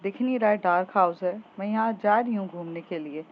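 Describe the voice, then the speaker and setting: A woman voicing Ahana, a sulky, defiant young woman with sharp retorts, in a slightly dull lo-fi recording. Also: mid-range voice, brisk, close to an everyday voice.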